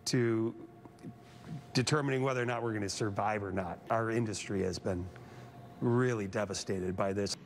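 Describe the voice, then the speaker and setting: A man's voice: on the low side, moderate pace, slight background noise. A man speaking in a news interview as a business representative.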